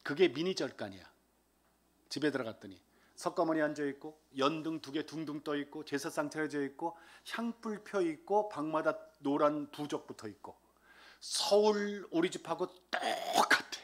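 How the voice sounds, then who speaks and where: A lay deacon in his sixties from Seoul, speaking at normal speed in a slightly high voice, tells a humorous testimony during church. His telling is lively, and he imitates the voices of the people in his story.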